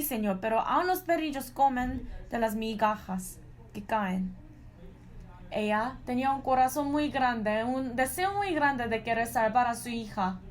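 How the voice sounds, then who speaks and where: Woman, sermon interpreter; earnest, halting delivery, slightly high pitch. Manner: earnest, with frequent restarts and "¿no?" tags. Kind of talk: live Spanish interpretation of a sermon.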